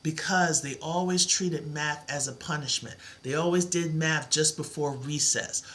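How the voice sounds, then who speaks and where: A middle-aged woman tutors math in a live lesson, speaking in a soothing, encouraging and reassuring manner. Her voice is low-pitched and fairly bright, and she talks a little slowly.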